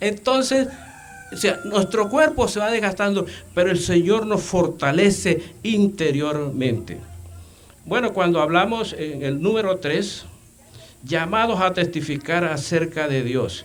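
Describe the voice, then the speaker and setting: A man with a high pitch and lively intonation, speaking at a fairly slow pace amid audible room echo. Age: 70s. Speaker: pastor. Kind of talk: sermon. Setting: church.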